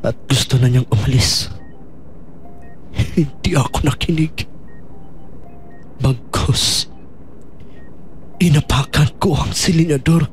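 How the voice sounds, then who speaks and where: A troubled man speaks in broken, brooding phrases, haunted by memories and guilt a man acting in an audio drama. His voice sits at a middle pitch, with faint music underneath. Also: slow, pauses often, close to an everyday voice. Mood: guilty, confessing.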